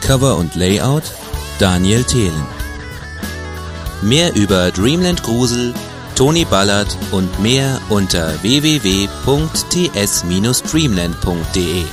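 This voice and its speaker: A man's voice: fairly low pitch, animated, slow pace. A man reading scripted credits as an announcer. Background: guitar music.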